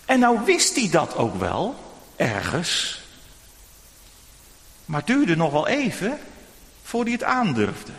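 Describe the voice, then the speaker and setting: A male preacher tells a children's sermon story in a gentle, engaging way. His high voice moves up and down with great liveliness. A long church reverb carries his words through the room. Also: wildly swooping pitch, slow pace, long pauses.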